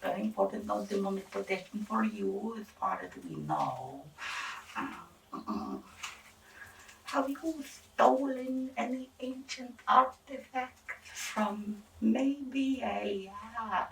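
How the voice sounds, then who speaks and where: A woman playing an eccentric female doctor in an ASMR roleplay, halting and formal, breathy and often near a whisper. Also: mid-range voice, expressive, far from the mic, a little hiss or hum, poor audio. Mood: probing, earnest. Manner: halting, hesitant, formal clinical phrasing with odd asides. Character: eccentric female doctor examining a patient for monster afflictions. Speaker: ASMR performer. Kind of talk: ASMR roleplay, intimate questioning.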